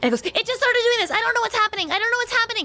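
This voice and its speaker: A squeaky, put-on character voice at an extremely high pitch and a very fast pace. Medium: actual play. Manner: frantic, fussing.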